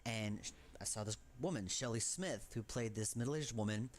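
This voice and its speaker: A man's voice: on the low side, moderate pace, a little hiss or hum. A man, the game's developer, telling rambling, anecdotal stories in developer commentary and laughing often. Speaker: game developer.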